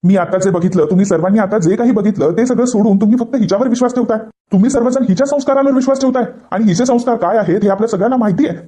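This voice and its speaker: A man's voice: high-pitched, very fast, few pauses, natural voice. A man voicing a furious young husband. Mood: angry. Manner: accusing, shouting. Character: angry young husband, defensive son.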